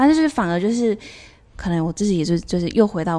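Over a quiet background, a woman talks with lively intonation. Her voice is medium in pitch, with a dark, mellow tone. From Taiwan, Taichung. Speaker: podcast co-host. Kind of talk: casual chat. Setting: recording on location in a basement.

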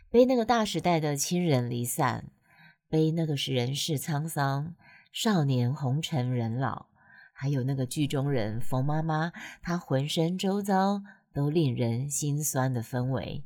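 A woman's very deep, low voice with a dark, mellow tone at a very slow pace. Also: lively intonation. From Taiwan, countryside. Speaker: livestream host and voice actor. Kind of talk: casual livestream chat. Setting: online livestream room.

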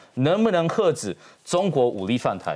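Fairly high-pitched male speech, its pitch swinging very widely. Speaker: former diplomat and political candidate. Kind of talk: political talk show discussion.

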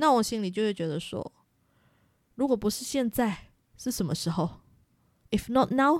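A woman speaks with an animated tone and lively intonation. The sound is dry and close with no echo, on a very clean recording with a silent background. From Malaysia. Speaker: podcast host. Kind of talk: casual monologue.

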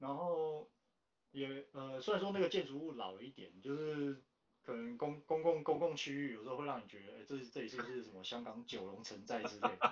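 A man with an unremarkable speaking voice, fairly high for a man, fairly quick, with lively intonation and big swings in loudness. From Taiwan. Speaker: podcast co-host. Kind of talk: casual chat.

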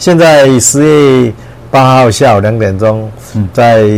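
Noticeable background noise is present. A man talks with ordinary pitch variation. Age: 70s. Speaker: retired police chief and ink painter. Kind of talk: interview. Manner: hesitant, many fillers.

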